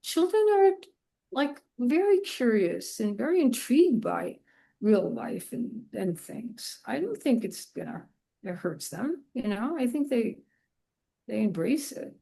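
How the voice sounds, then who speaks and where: A woman's voice: on the high side, very animated, measured pace, gravelly, mellow. A woman speaking as a podcast guest in a casual interview, in loose, informal phrases dotted with "you know". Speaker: podcast guest, illustrator and art professor.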